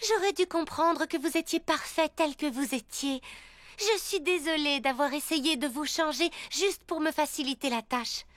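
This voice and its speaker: A woman voicing a gentle young princess in a children's cartoon dub, soft-spoken and kind. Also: high voice, moderate pace, no echo. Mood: remorseful. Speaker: voice actress in a dubbed cartoon.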